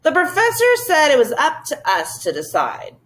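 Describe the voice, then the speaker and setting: A woman voicing a thoughtful young boy who speaks slowly and picks his words with care. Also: high voice, huge pitch swings, fairly bright tone, voice pushed up, full character voice. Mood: earnest.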